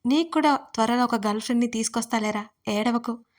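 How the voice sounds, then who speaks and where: Woman narrator doing a tender, teasing young man, fairly high-pitched, romance audio story. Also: fairly quick, close to an everyday voice. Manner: fond, gently teasing.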